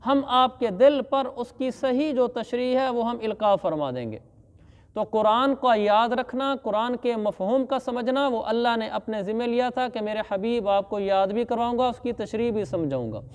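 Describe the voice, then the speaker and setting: A man giving a religious lesson on Quran commentary, reciting verses slowly and then explaining them plainly. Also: extremely high pitch, big-room sound. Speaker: Islamic scholar teaching Quran commentary.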